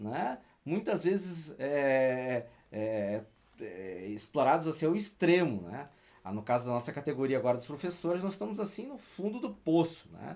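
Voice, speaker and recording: This man's pitch is fairly high and swings very widely. He keeps a moderate pace. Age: 60s. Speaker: retired teacher and artist. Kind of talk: casual interview chat.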